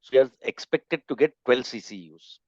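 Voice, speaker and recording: A man with an Indian English accent, a member of a coaching chapter, giving opinions in a casual online meeting with emphatic, halting phrasing. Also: medium pitch, darkish tone, dry recording. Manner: opinionated, emphatic, with pauses and restarts. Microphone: video call. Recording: slightly dull call audio.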